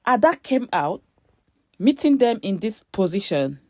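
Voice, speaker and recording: A woman tells a dramatic scripted story at a slow pace. She places her phrases deliberately, in short pieces. The recording is dry, with no audible room. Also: mid-range voice, very animated, no room sound.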